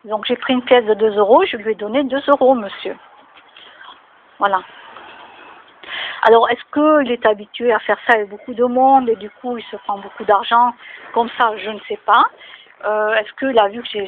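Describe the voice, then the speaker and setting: A woman vlogging casually to camera, chatting and moralizing with many fillers, recorded outdoors near her home. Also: on the high side. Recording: tinny phone-like sound with faint noise.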